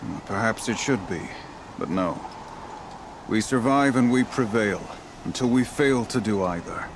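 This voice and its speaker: Guy doing an old tribal hunter for a game, lowish voice, tired but proud, solemn storyteller, lots of background noise. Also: lightly acted. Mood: solemn, resolute. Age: older. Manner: solemn, measured, poetic storyteller. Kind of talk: dramatic video game dialogue.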